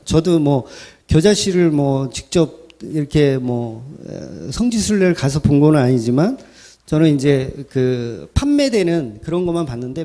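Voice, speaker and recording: A man's voice: on the high side, dark tone. A man preaching a sermon at a summer retreat as pastor, chatty and joking, asking the audience rhetorical questions.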